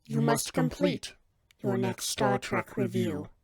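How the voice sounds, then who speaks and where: A woman's voice: medium pitch, slow pace, darkish tone, lightly acted. A woman playing an imperious, exasperated God in a comedy skit, solemn in pronouncements but bluntly sarcastic. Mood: stern, exasperated.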